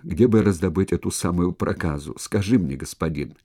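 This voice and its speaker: A man's voice: normal speed, dark tone. A man voicing a drunk young male army recruit who cries and shrieks that he will not go to war, in an audiobook. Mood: weeping. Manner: stammers; slurred, weepy and shrill.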